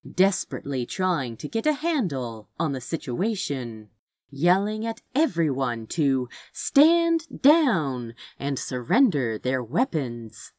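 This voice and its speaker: A woman reading fantasy fiction aloud as an expressive audiobook narrator. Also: low-pitched, dry recording, studio quality.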